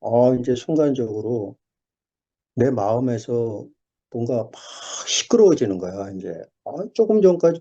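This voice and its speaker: A middle-aged man from a church gives his personal testimony over a video call, telling it in an animated storyteller's way with a deep, dark tone. He restarts often and leans on plenty of fillers. The call audio is dull and lo-fi.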